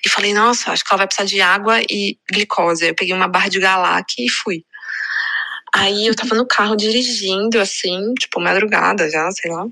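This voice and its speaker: A young woman telling a story in casual chat, acting out the voices of the people in it and dropping to a hush. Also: mid-range voice, fairly quick. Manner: acts out quoted voices, drops to hushed tones. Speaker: podcast co-host telling a story.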